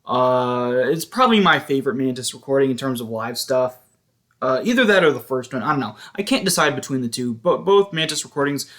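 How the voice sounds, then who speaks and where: Halting, casual man showing a collection. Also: medium pitch, animated, fairly bright tone. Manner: halting, hesitant, self-correcting. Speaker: music collector vlogger. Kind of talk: casual show-and-tell commentary.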